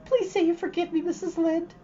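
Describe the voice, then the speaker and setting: A woman voicing an imaginative, talkative orphan girl who speaks in a high, gushing, dramatic way. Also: expressive, moderate pace, darkish tone, natural voice. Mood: pleading. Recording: slightly dull lo-fi recording.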